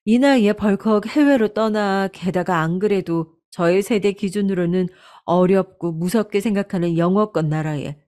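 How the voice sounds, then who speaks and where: A woman narrating a first-person story as an aging mother, calm and confiding. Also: medium pitch, normal speed, hardly any pauses.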